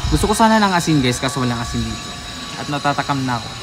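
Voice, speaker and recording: With clear music in the background, a man talks at a very fast pace. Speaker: content creator. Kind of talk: casual vlog chat. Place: farm. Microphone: phone near.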